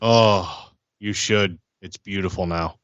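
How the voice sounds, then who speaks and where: A man playing an affable vampire agent in a tabletop game, talking in a casual, halting, friendly way. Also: sits low, fairly bright tone, smooth, no echo, lo-fi sound. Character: affable, hesitant male vampire agent on a mission. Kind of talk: in-character tabletop roleplay.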